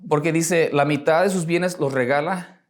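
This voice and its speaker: A man's voice: a little high, moderate pace. Conversational male preacher. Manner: conversational preaching with rhetorical asides and light jokes. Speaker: pastor. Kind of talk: sermon.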